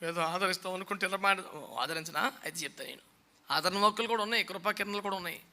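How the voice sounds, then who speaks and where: A man's voice: high-pitched, fast, bright, forceful tone. A man preaching a sermon in a scolding, mocking way, often acting out the people he quotes. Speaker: pastor. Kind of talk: fiery sermon.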